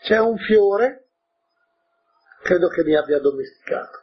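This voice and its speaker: A man's voice: high-pitched, expressive, measured pace, lo-fi sound, a little hiss or hum, pitched above the performer's own voice. Man voicing a curious little prince. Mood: wondering. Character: small curious boy prince, gentle.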